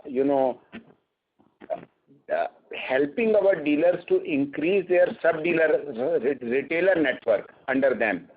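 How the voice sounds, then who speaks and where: A man with an Indian accent answering questions as a company executive, speaking haltingly and repeating words. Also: mid-range voice. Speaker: company executive on an earnings call. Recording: narrow, tinny phone line.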